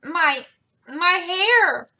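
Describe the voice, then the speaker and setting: A woman's voice: very high-pitched, expressive, very slow, sharp tone, pitched above the performer's own voice, heavily acted. A woman reading as a spirited young heroine. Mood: tearful. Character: spirited teenage girl heroine, impulsive.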